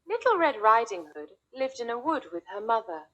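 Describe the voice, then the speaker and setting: A woman narrating a children's fairy tale in slow, clear, deliberate English for young learners. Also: fairly high pitch, sing-song, pushed and bright. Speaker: storyteller. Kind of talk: scripted storybook narration.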